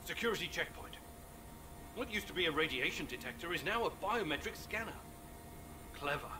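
Brief: a terse infiltrator hero in a game, tense and bright, sounding distant. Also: male voice, fairly high pitch, lively intonation, normal speed, a little hiss or hum. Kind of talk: game voice acting.

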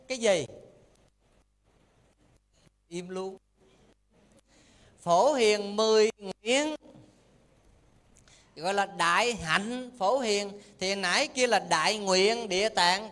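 A Buddhist monk giving a sermon in a temple hall, asking the audience lively teasing questions. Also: male voice, sits high, takes it slowly, long pauses.

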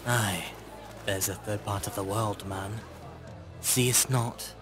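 An actor playing a dry, sardonic, hard-drinking Roman soldier in a Shakespearean audio drama. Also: male voice, fairly low pitch, steady tone, takes it slowly, background noise. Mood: wry.

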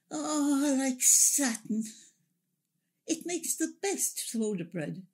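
Woman playing a husky, slow-talking older Irish mother. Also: mid-range voice, exaggerated voice. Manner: slow, reflective, expressive. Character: older Irish mother recalling wartime hardship, wistful and resilient. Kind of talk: radio drama monologue, reminiscing storytelling.

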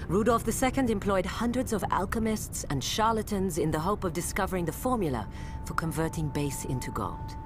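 A woman acts out a secretive, driven female professor in a motion-comic thriller. Her voice sits low and moves with lively range. She speaks with measured intensity over prominent dramatic music. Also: natural voice. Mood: intent explaining.

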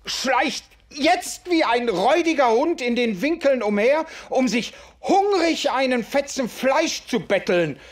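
An actor playing an impassioned writer in a radio play, speaking in declamatory, old-fashioned formal sentences. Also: male voice, very high voice, expressive, unhurried, hardly any pauses. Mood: mournful. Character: impassioned male writer defending the oppressed. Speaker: author figure in conversation. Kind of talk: German radio play acting.

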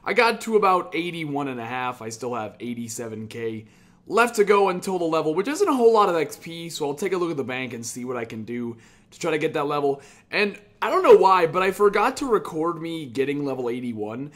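A man talks over his own gameplay in a loose, chatty way, his voice sitting a little high for a man. He stays upbeat and throws in casual swearing as he goes. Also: animated, a little fast. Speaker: gaming YouTuber.

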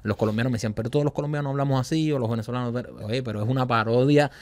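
A man's voice: mid-range voice, fairly even intonation, rapid-fire, darkish tone, dry recording. A man in his thirties with a Cuban accent, hosting a podcast in casual chat at a studio mic. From Cuba. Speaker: podcast host. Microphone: studio mic on desk stand.

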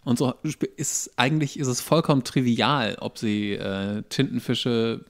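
A man co-hosting a relaxed podcast, with a gravelly, fry-heavy voice. He delivers his lines in a dry, sardonic way. His pitch is ordinary. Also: a little slow. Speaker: podcast co-host. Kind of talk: casual chat.

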